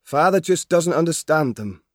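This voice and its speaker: A man's voice: a little high, normal speed, dry recording, clean studio sound, voice pushed up, lightly acted. A man voicing an eager, earnest thirteen-year-old farm boy in a storybook reading. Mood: gentle. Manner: excited, gentle, earnest. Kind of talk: audiobook character voice.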